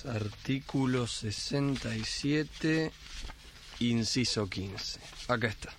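An actor playing a lovestruck, cheeky nineteenth-century copyist in a radio play, speaking theatrically with an Argentine accent. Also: male voice, medium pitch, slow, a little hiss or hum. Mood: resigned dictating.

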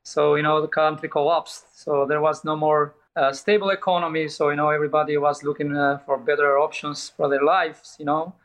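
A man's voice: on the high side, little pitch movement, fairly quick, few pauses, a bit bright, low-quality recording. A middle-aged man from Albania and Italy with an Albanian accent, telling his story casually as an interview guest with frequent filler asides. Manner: frequent "you know" asides, non-native phrasing. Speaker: guest, pizzeria owner and chef.

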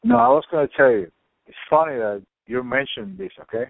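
Man, gravelly voice, lively swooping pitch, casual swearing chat. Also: brisk, no room sound. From Cuba. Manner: animated storytelling, swearing, many fillers. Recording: tinny phone-like line.

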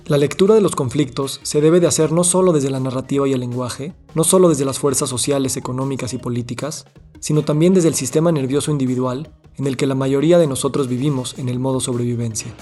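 A man's voice: mid-range voice, steady tone, fast, dark tone, faint music behind. A man hosting a podcast, reading the guest's introduction and asking curious, friendly questions. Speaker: podcast host.

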